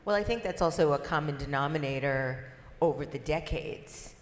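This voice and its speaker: A woman's voice: low voice, normal speed. A woman hosting a live conference panel, affirming the speakers with brief interjections before steering the conversation on. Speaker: conference host and moderator. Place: conference stage before an audience. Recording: reverberant live conference hall.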